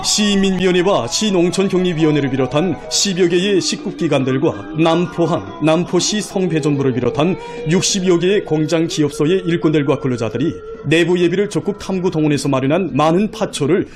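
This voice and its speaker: A man's voice: fairly high pitch, fairly quick, hardly any pauses, over music. A man with a North Korean accent narrating formal broadcast news with a stately, emphatic delivery.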